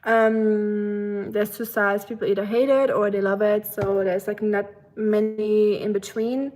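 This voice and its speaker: A woman's voice: medium pitch, level tone, a little slow, darkish tone, rough recording. A young woman with a German accent from the Black Forest, hosting a live stream and chatting casually with viewers while she cooks, with many ums and likes. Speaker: livestream host. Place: home kitchen in the US.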